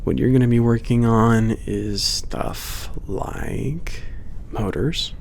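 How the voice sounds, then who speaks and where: A man playing a friendly, reassuring werewolf coworker in an ASMR roleplay, speaking softly and casually in a breathy, creaky half-whisper. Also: mid-range voice, takes it slowly, a little hiss or hum. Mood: easygoing, wry. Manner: casual, reassuring, hesitant conversational phrasing. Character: friendly werewolf coworker, male space port maintenance trainer, reassuring.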